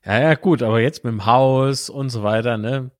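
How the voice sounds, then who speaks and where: A man's voice: medium pitch, normal speed. A man from the Palatinate, interviewing in a chatty, joking manner. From Palatinate, Germany. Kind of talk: interview, casual talk.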